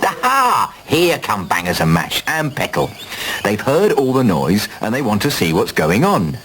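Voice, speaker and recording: A man's voice: fairly low pitch, wildly swooping pitch, measured pace, noisy background. A British man narrating a children's cartoon in a playful, exclamatory way, talking directly to young viewers. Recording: music running behind the voice. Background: cartoon music.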